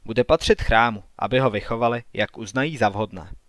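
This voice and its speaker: A man voicing a stern young woman, a prophetess, questioning a slave girl in a calm, firm manner for an audiobook. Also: mid-range voice, no echo, studio quality, lightly acted.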